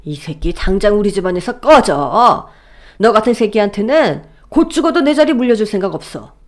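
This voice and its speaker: A furious wealthy old father, put on by a woman reading the story snaps and sneers in a lowered, gruff voice. His pitch swings widely as he scolds, blunt and contemptuous. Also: very animated, moderate pace. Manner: gruff, sneering, shouting insults.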